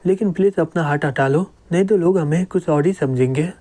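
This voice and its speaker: A man voicing a calm, clever young man who speaks matter-of-factly. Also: a little high, a little fast, close to an everyday voice.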